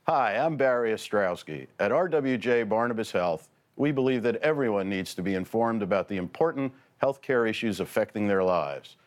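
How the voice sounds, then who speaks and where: A man reading a scripted sponsor message in a calm, earnest way. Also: lowish voice, normal speed, few pauses. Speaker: sponsor spokesman.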